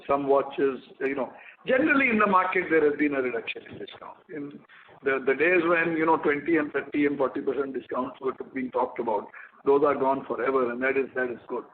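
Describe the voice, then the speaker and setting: A man with an Indian accent answering investor questions as a company executive, in measured, hesitant phrasing with frequent pauses. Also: on the high side. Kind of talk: earnings call answers. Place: conference call line. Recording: echoey, muffled conference call audio.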